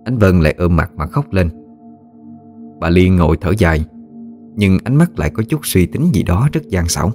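Deep-voiced man narrating a ghost story. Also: expressive, normal speed, pauses often, darkish tone, soft background music.

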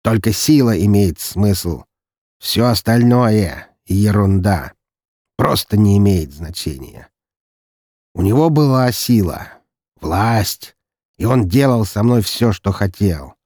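Male reader as a cruel young nobleman, lazy, mocking, threatening, raised voice, husky, dry audiobook sound. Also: on the low side, expressive, slow pace, a little mellow, no room sound, heavily acted. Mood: menacing.

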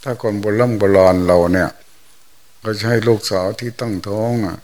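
Older monk, low folksy sermon. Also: male voice, steady tone, darkish tone. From Thailand. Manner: folksy, unhurried storytelling with exclamations. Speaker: monk giving a Dhamma talk.

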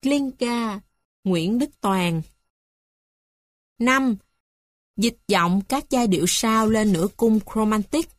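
A woman reading a music theory textbook aloud in a slow, measured, list-like way. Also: fairly high pitch, lively intonation, dry recording. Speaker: textbook reader.

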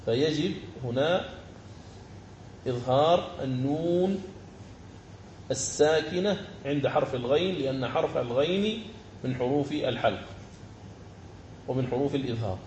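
A man teaching the rules of Quran recitation, explaining each rule and then slowly chanting verse examples. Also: medium pitch, a little mellow, reverberant, a little hiss or hum. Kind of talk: tajweed lesson with chanted examples.

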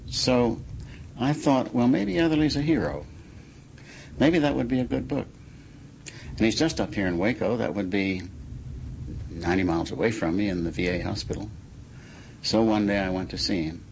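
An older man with an American accent recalling the past in an interview, halting as he searches for words. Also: on the low side, gravelly, darkish tone. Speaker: journalist and writer, interviewee. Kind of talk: reflective interview recollection. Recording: muffled, faint background noise.

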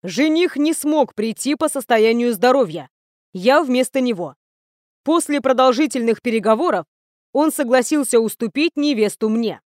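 A woman's voice: a little high, animated, moderate pace, darkish tone, dry recording, clean studio sound, lightly acted. A woman voicing an insolent, mocking young nobleman mage in a fantasy audiobook.

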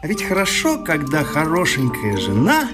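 An actor playing an anguished, idealistic young husband in a radio drama, impassioned and pleading, stammering and repeating himself. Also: male voice, a little high, wildly swooping pitch, moderate pace. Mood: bitterly resigned. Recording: studio radio play with loud music. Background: music.

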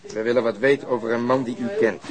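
An actor playing a composed, persistent police detective in a radio crime drama, polite, firm and matter-of-fact. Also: male voice, mid-range voice, fairly even intonation, fast talker, a crowd in the background, close to an everyday voice. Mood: calm, firm.

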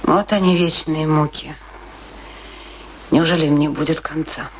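An actress playing a middle-aged, resigned and bitter long-married wife, speaking curtly in a Russian radio play. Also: female voice, low-pitched, fairly even intonation, a little slow, a little hiss or hum, poor audio. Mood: bitter resignation. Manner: resigned, curt, weary. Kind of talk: Russian radio play acting, dramatic dialogue.

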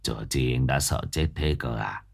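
A man voicing an elderly male ritual master who speaks in a calm, stern, hushed way. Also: creaky, full character voice. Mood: stern, urgent. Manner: deep, hushed, measured.

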